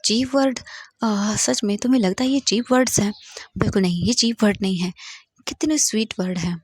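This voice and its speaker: A woman's voice: medium pitch, fairly quick, slightly rough, no echo, natural voice. Woman narrator voicing a playful young husband, teasing and mock-hurt, dry close sound.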